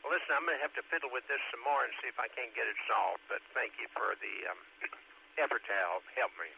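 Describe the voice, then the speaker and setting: A man on the radio talking casually and haltingly, thanking someone for help. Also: mid-range voice, vocal fry. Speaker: radio operator. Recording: noisy tinny radio.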